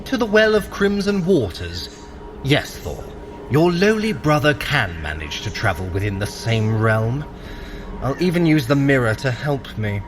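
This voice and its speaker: An actor playing a sly, haughty trickster god in an audio drama, precise and sardonic. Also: male voice, mid-range voice, sing-song, measured pace, over music. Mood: wry, grudging. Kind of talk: dramatic audio fiction acting. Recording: noisy ambience behind.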